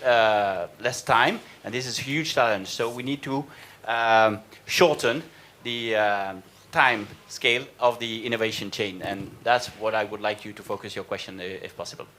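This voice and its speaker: A man's voice: medium pitch, moderate pace, hardly any pauses, fairly bright tone. A man moderating a panel discussion, speaking hesitantly with many fillers and polite restarts.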